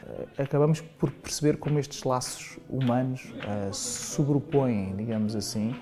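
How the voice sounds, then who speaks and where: A man's voice: medium pitch, fairly even intonation, normal speed, warm tone. A man speaking spontaneously in a report interview, hesitant with frequent fillers. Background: music under the speech.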